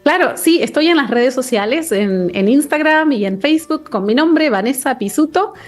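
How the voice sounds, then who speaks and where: A woman with an Argentine accent speaks as an author guest on a radio interview, earnest and reflective, often repeating words as she gathers her thoughts. Her voice sits a little high, and faint music plays under her. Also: animated, moderate pace. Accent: Argentine Spanish. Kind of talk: radio interview by remote call. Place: home or office in England.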